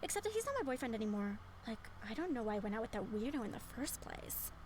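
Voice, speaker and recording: A vain, gossipy young socialite from a visual novel voiced by a woman chatters in a high, whiny voice. Her pitch swoops around freely, with faint noise behind. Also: sing-song, fast talker. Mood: chatty, dismissive. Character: ditzy, self-absorbed young valley-girl socialite. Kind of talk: visual novel character acting.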